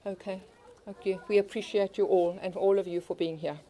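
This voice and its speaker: A woman's voice: mid-range voice, fairly even intonation, brisk, warm tone. A woman thanking helpers and staff at an opening event, talking loosely and repeating okay. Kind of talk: outdoor opening speech.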